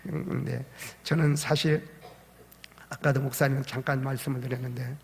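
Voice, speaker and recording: A man's voice: medium pitch, level tone, moderate pace, gravelly, a little hiss or hum. An older man, a retired pastor, preaching a sermon, telling stories and building up to emphatic exclamations. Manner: storytelling with rising emphatic exclamations. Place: church sanctuary. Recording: church hall reverb.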